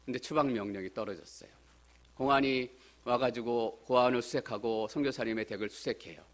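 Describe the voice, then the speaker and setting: A man's voice: medium pitch, a little fast. A man preaching a Sunday sermon as a pastor, earnest and building to emphatic appeals. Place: church sanctuary.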